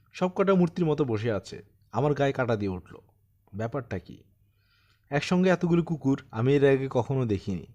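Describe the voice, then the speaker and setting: A man's voice: medium pitch, a little mellow, close to an everyday voice. A man voicing a troubled man of sixty-seven in an audiobook, earnest, self-deprecating and insistent as he recounts something eerie. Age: 60s. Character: troubled 67-year-old man recounting his eerie haunting. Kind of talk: dramatised audiobook storytelling.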